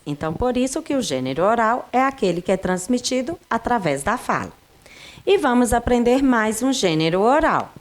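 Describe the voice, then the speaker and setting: A woman teacher from Brazil giving a recorded lesson to children, talking to her pupils directly in a lively way. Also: medium pitch.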